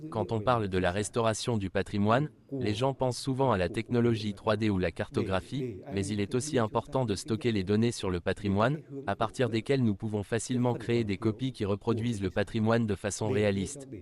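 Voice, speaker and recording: A man's voice: fairly low pitch, fairly quick. A man explaining heritage work matter-of-factly in an interview. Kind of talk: interview answer. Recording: voice with loud crowd behind.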